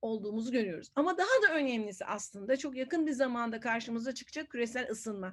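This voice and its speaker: Her pitch is high for a woman. She talks at a fairly quick pace. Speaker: education consultant. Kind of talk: lecture.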